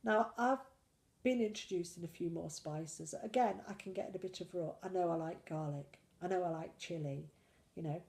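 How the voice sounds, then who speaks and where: A woman's voice: fairly low pitch, moderate pace, vocal fry, a little mellow. A woman with a cold chatting in a casual weekly diet vlog, rambling and self-deprecating. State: full of cold. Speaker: slimming vlogger.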